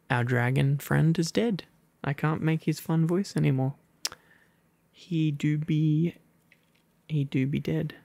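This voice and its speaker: A man with a British RP accent reading a storybook aloud and chatting as an ASMR boyfriend, drowsy, soft and playful, slipping into gentle whispers. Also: fairly high pitch, gravelly, no echo. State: sleepy and overfull.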